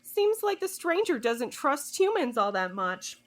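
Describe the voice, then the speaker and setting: An actress voices a smug woman who holds secrets and enjoys it. Her voice sits high and swoops widely in pitch. She teases and condescends with a theatrical drawl, coolly taunting those who question her, in the manner of audio drama. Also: very animated, measured pace. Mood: coy, condescending.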